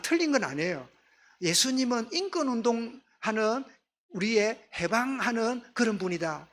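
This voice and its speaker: A man's voice: high-pitched, fairly bright tone. A male pastor with a Gyeongsang accent preaching a sermon, often asking the congregation questions and answering them himself. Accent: Gyeongsang dialect.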